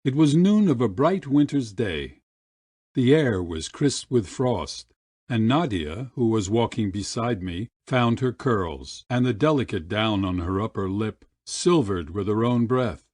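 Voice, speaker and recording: A man reads literary fiction as an audiobook narrator. His pace is slow and deliberate, with a medium-pitched voice in a dry, close recording. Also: big pitch swings, darkish tone, no room sound. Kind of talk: literary short story narration.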